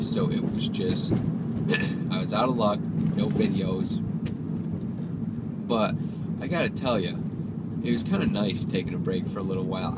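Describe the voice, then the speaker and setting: A young man with a nasal, congested voice from a cold, chatting casually and rambling while filming himself in his car. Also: medium pitch. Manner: rambling, chatty, self-deprecating. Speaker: vlogger. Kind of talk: casual driving vlog. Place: inside a moving car. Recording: loud road and engine noise.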